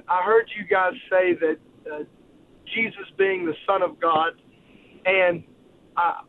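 Male caller with a Virginia accent, high and lively, polite and folksy, on a tinny phone line. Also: gravelly. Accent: Virginia Southern. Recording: phone line with faint noise.

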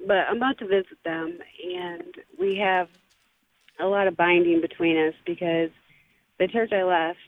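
Hesitant woman calling in over the phone. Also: on the low side. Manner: hesitant, many "um" fillers. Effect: heard over the phone. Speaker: caller. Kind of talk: call-in question to a radio show. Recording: tinny phone line, dry.

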